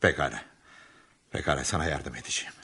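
An actor playing an earnest, cautious hospital doctor in a radio drama, speaking in a measured, matter-of-fact way. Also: male voice, very deep voice, vocal fry, bright, forceful tone, husky, full character voice. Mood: cooperative. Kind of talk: Turkish radio drama acting.

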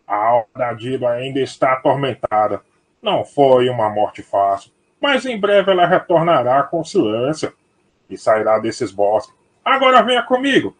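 Man playing husky, animated old father's ghost. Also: medium pitch. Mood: scolding. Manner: colloquial, animated, paternal. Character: fond, teasing old father's ghost, wise. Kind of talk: audio drama acting.

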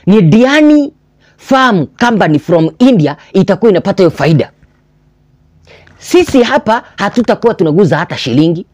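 Emphatic young Kenyan man, animated pitch. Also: a little fast, no room sound. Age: 20s. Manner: emphatic, rhetorical questions, repeats key phrases for stress. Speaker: political commentary vlogger. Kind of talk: impassioned commentary to camera, mixing English and Swahili. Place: small indoor room with a backdrop, armchair.

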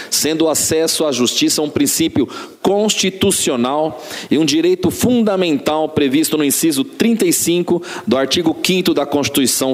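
A man, a city councillor, reading out a formal motion in legal language. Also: on the high side. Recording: reverberant council chamber.

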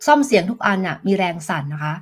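A woman health coach giving a live demonstration lesson, explaining step by step in a gentle way and answering viewer questions, with tuning fork tones sounding behind her. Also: on the low side, sing-song, quick pace. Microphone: desk microphone.

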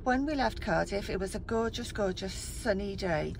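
A woman's voice: medium pitch, creaky. A middle-aged woman from South Wales with a Welsh accent, chatting casually to her viewers as a vlogger while being driven. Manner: chatty, rambling, quick to laugh. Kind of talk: casual travel vlog while driving. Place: inside a car on the road. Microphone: phone camera in the car. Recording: distant car mic with loud road noise.

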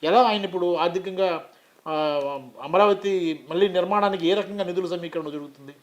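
High-pitched male interviewer. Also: fairly even intonation, brisk, highs cut off. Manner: frequent agreeing interjections, respectful. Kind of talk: political interview.

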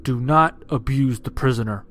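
A man's voice: mid-range voice, moderate pace, soft background music, close to an everyday voice. A man voicing a young Marine lieutenant in a war story, indignant and sharply authoritative. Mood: stern. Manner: sharp, authoritative, shouting orders.

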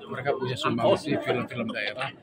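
A man's voice: mid-range voice, moderate pace. An older man talks in loose, slangy bursts, gesturing as he goes. A close camera catches him against heavy crowd chatter in a busy banquet hall. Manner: casual, slangy, animated. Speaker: veteran actor. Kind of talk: press interview. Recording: loud crowd and announcer behind.

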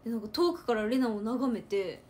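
Young woman, Kansai accent, fairly high voice; casual livestream chat, animated, loops back over her words. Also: a little fast. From Hyogo, Japan. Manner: chatty, animated, repeats words for emphasis. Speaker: idol trainee livestreamer.

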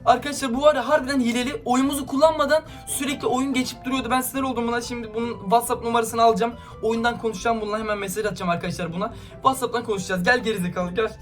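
Gaming YouTuber, male, high pitch; irritated ranting commentary, trades insults, addresses the audience directly. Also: steady tone, rapid-fire, hardly any pauses, faint music behind. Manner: talks straight to viewers. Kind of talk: gameplay commentary to viewers.

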